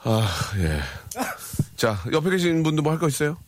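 A man's voice: fairly high pitch, dry recording. A man hosting a live broadcast, joking and teasing guests in a bantering way. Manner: teasing, joking, fast and animated. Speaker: live show host.

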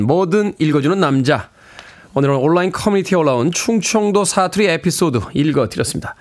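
A middle-aged man presents a radio show from the studio, chatty and easy as he reads listener messages and promotions. His voice sits a little high for a man. Faint music plays under him. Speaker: radio host. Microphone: studio microphone.

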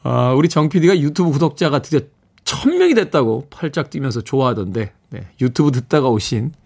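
Man morning radio DJ from Seoul, playful, pitch rising and falling freely, studio mic. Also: breathy edge. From Seoul, South Korea. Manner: lively, playful, chuckles between messages. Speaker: radio show host. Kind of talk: morning radio show, reading listener texts.

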